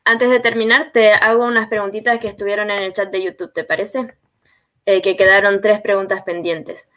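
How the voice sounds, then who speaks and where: A young woman moderates a webinar over a video call at a medium pitch. She sounds friendly and reads out audience questions in a steady, practiced way. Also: normal speed. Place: home room with bookshelves, indoors.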